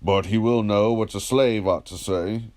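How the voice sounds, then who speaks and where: A man reading the part of a patient, ironic, probing philosopher in a dramatised dialogue, in a measured, declamatory, questioning manner. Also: on the low side, steady tone, darkish tone, lightly acted.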